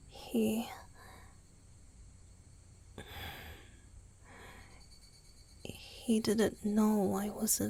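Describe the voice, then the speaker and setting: Woman to play young male vampire boyfriend, wistful and tender, ASMR roleplay. Husky, breathy whisper with crackly fry, hesitant confessional delivery. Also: fairly high pitch, dark tone, exaggerated voice. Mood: remorseful, sad.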